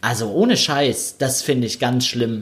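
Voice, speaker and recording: An ordinary speaking voice from a man, medium in pitch, at a fairly slow pace. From Stuttgart, Swabia. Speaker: podcast co-host, freelance radio journalist. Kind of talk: casual chat.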